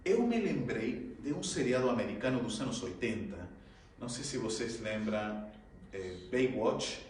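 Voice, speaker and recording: Male lecturer telling a funny story, high and very animated, acting out his shouts, recorded from a distance in a reverberant hall. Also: moderate pace, a little hiss or hum. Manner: lively, acts out his own shouts and gasps, laughs often. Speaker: spiritist lecturer. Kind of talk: public talk, humorous storytelling. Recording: very echoey hall, mic at a distance.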